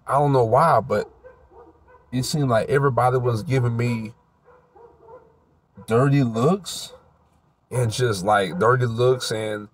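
A man giving his spoken Christian testimony outdoors in a park. He is teary, his voice a little mushy, and he speaks in a halting, rambling way, searching for words. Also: mid-range voice. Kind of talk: emotional spoken testimony to camera.

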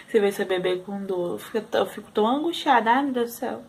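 A woman's voice: medium pitch, a little fast, vocal fry, low-quality recording. A young Brazilian mother vlogging casually at home, tired after a sleepless night, talking in a chatty way full of sighs. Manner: chatty, sighing, with frequent "ai" and "né".

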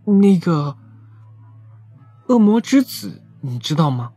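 A woman performs a naive, timid young man for an audio drama. The voice is husky and slow, hesitating and stammering, with animated pitch and soft music behind it. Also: no echo, heavily acted. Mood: shy, curious. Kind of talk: Chinese audio drama acting.

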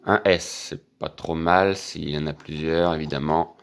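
A man, quietly commenting as he scratches lottery tickets for his channel. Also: very deep voice, measured pace, clear, resonant tone. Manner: quiet running commentary, excited when winning. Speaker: scratch-card vlogger.

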